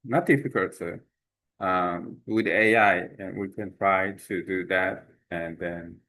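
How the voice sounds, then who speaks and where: Slow, halting Korean-accented man. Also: sits low, sharp tone. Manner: halting, many fillers and restarts. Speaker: language exchange speaker. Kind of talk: unscripted talk to camera.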